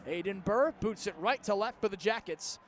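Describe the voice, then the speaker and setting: A man's voice: high-pitched, moderate pace, slight background noise. A man in his early twenties calling live American football play-by-play in the style of a radio broadcast. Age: early 20s. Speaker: play-by-play sports announcer. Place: outdoor stadium broadcast position.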